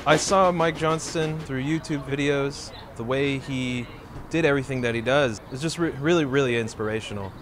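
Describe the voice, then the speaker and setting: A man at a drum camp speaks with enthusiasm and admiration. He was recorded outdoors, with clear street and vehicle noise around him. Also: medium pitch, normal speed. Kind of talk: documentary interview.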